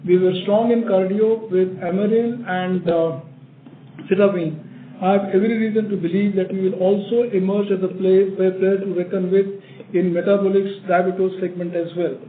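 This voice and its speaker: A man's voice: high voice, fairly even intonation, moderate pace. An older man with an Indian accent, a chief executive giving prepared remarks in an emphatic way, repeating phrases for stress. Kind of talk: prepared earnings call remarks. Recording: echoey narrow phone line, faint noise.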